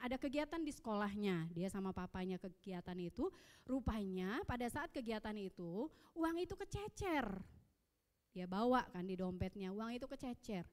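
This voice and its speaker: A woman in her thirties with an Indonesian accent, preaching at a youth service and telling personal stories in a lively way. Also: medium pitch. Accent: Indonesian, Samarinda. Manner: lively storytelling, acting out dialogue. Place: church hall. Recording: long echo of a church hall.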